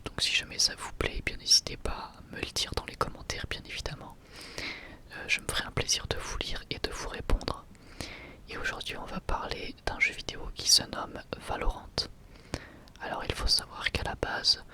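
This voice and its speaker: Guy doing asmr, all whispered, really soft and breathy, chatting gently to his viewers. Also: high-pitched. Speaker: ASMR video creator.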